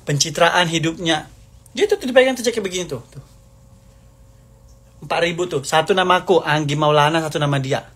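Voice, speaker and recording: A man's voice: a little high, brisk, pauses often, fairly bright tone, slightly rough. A man delivering an angry, accusing rant to the camera, hammering the same points over and over. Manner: heated, accusing, repetitive.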